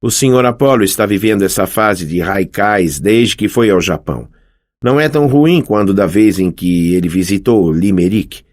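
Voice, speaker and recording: A bittersweet young huntress, tired and a little scornful, as a male narrator puts her on. The reading keeps a lively rise and fall in pitch. Storybook reading. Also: normal speed, natural voice. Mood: weary.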